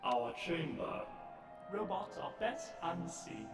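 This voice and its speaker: A prim butler robot. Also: male voice, fairly high pitch, very animated, slow pace. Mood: courtly. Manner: formal, courteous, fussy about duty. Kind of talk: video game character dialogue. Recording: echoey and distant, game music behind.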